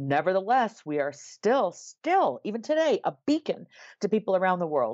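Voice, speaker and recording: A woman with an American accent speaks at a moderate pace, her pitch swinging very widely. The sound is dry and close with no echo, over a quiet background. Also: medium pitch for a woman. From United States. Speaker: author. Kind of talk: interview.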